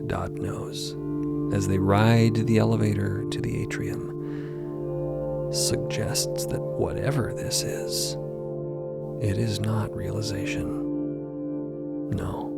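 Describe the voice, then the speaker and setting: A man giving dramatic scripted narration for audio fiction, deliberate and suspenseful. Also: fairly low pitch, little pitch movement, vocal fry, over loud music.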